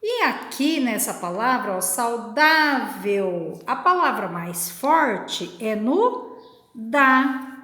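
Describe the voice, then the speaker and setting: A woman teacher from Brazil, slowly and patiently explaining a lesson to children step by step. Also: on the high side, sing-song, fairly bright tone, roomy sound. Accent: Brazilian Portuguese.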